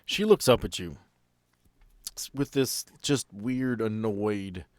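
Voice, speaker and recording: A man acts as game master for a horror tabletop game, mixing narration with casual talk. His voice sits fairly low and is recorded dry and close. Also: slow, darkish tone, no echo.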